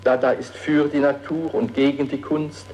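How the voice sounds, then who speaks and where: Male actor as older artist, dreamy poetic recital, mellow voice. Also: a little high, flat delivery, moderate pace, a little hiss or hum, natural voice, low-quality recording. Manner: dreamy, playful declamation. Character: Hans Arp, older male artist musing on nature. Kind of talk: dramatic reading of poetic texts.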